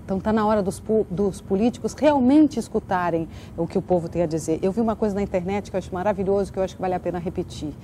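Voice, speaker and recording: A woman's voice: medium pitch, very fast, few pauses, dark tone, a little hiss or hum. A woman speaking earnestly as a guest, in the manner of someone who performs. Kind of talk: earnest interview talk and poetic recitation.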